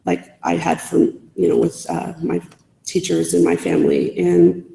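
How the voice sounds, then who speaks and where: A woman speaks at a podium in a big civic hall, with a very gravelly, fry-heavy voice and a dark tone. She is earnest and halting, full of fillers and restarts. The room is echoey, and a long reverb trails after her words. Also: sits low, big pitch swings. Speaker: student leader giving a speech. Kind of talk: public speech to college faculty.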